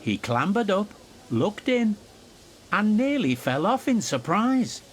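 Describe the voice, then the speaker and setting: Guy reading a kids story, takes his time, lively up and down pitch, bit of noise behind. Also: slow. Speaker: storyteller, narrator. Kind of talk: scripted children's story narration.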